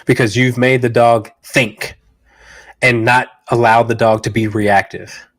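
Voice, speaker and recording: A man's voice: medium pitch, level tone, a little slow, fairly bright tone. A man hosting a live dog training Q&A, talking bluntly and directly in slangy speech, stuffy from a cold. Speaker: dog trainer and show host. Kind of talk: live Q&A stream.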